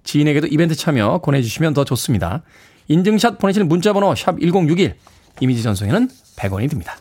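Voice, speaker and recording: A man's voice: on the high side, very animated, fast talker, a little mellow, breathy edge. A man hosting a radio show from the studio, playful and laughing often as he talks with listeners. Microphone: studio microphone.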